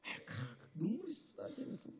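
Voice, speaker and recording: A male pastor preaching a sermon in a church, emphatic, often checking in with the congregation, building to shouted and tearful peaks. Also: sits high, huge pitch swings, moderate pace, gravelly, breathy edge. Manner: emphatic, keeps asking the congregation "예?". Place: church sanctuary.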